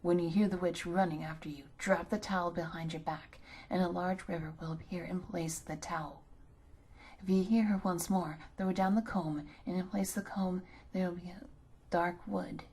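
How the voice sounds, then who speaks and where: A woman voicing a serious, wise black male cat in a storybook, low and measured. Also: fairly even intonation, darkish tone, breathy edge.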